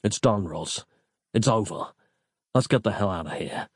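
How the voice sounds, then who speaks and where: Man playing a gruff hard-boiled male detective. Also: on the low side, animated, normal speed, dry recording, studio quality. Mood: weary. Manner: gruff, choked up.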